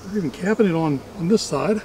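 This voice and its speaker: Middle-aged male vlogger, high voice, chatty and dryly funny working commentary, outdoors with faint background buzz. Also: animated, fast, a little mellow, slight background noise. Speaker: beekeeper and vlog host. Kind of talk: casual running commentary while working. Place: outdoors among trees at beehives.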